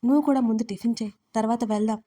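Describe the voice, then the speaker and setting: Anxious gentle mother voiced by a woman reader, soft and coaxing, mellow tone. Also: a little high, fairly even intonation, very fast, close to an everyday voice. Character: worried caring mother, coaxing her daughter.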